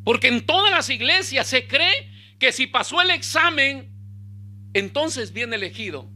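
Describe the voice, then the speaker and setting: A male pastor, preaching a sermon with bursts of emphasis and quiet low asides. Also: big pitch swings, unhurried.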